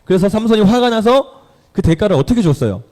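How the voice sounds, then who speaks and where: A man preaching to teenagers in a lively way, putting questions to his listeners. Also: high-pitched, quick pace. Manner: lively, quizzes the audience. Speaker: youth pastor. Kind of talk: sermon to teenagers. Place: church hall.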